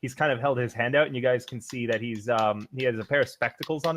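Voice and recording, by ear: Ordinary pitch variation in natural-voiced reading aloud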